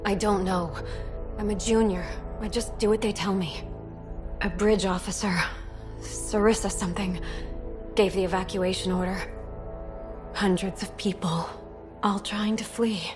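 Woman voicing a young alien refugee officer, grieving, halting, mid pitch, video game cutscene, faint music. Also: steady tone, lightly acted. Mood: haunted. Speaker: junior ark crew survivor. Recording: game audio with soft music behind.

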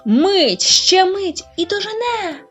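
A woman voicing an angry, roaring big male bear in a storybook, slow and loud. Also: extremely high pitch, very animated, lo-fi sound, soft background music, voice pushed up, exaggerated voice.

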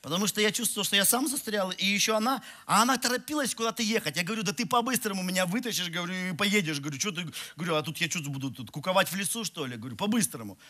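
A man's voice: high-pitched, expressive, racing, hardly any pauses, sharp tone. A man in his forties, a pastor, preaching to a church hall audience through a headset mic, telling a self-mocking story with many restarts. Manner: walks the stage, gesturing. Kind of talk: sermon with humorous personal story.

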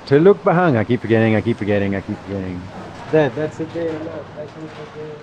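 A man's voice: medium pitch, lively intonation, fast, crowd noise. A man in his thirties chatting casually to a handheld camera as a travel vlogger, rambling with lots of fillers, first on a bus and then at an open-air eatery. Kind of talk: casual vlog narration to camera. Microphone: handheld camera at arm's length. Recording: muffled, with loud rain and traffic noise.

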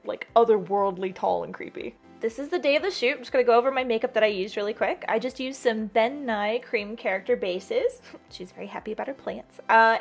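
Young woman cosplay vlogger, higher voice, chatty and irreverent, casual. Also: creaky. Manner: chatty, playful, swears freely. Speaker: cosplayer and video host. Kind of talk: casual crafting vlog chat.

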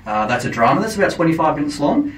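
A man's voice: on the high side, big pitch swings, quick pace, fairly bright tone. An Australian man talking eagerly as a studio guest on a radio show, explaining with frequent fillers. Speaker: theatre company guest promoting plays. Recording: roomy, distant camera audio.

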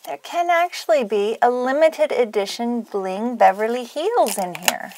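A woman's voice: on the high side, lively intonation, measured pace, darkish tone, slight background noise. A woman hosting a toy unboxing for children, narrating playfully in a gushing, exclamatory, sing-song way. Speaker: toy unboxing video host.

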